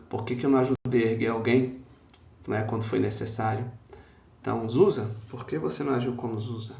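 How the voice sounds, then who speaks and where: A man's voice: medium pitch, gravelly, darkish tone. A man with a Brazilian Portuguese accent giving a spiritist lecture in a hall. He talks in a conversational way, with many "né?" asides, and acts out quoted voices. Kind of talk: public talk on a spiritist text. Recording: roomy, dull lo-fi hall recording.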